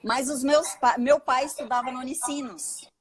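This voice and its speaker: Woman, high voice, live-stream host, chatty, digressive, from southern Santa Catarina. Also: fairly even intonation, normal speed, crowd noise. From southern Santa Catarina, Brazil. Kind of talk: casual live-stream interview.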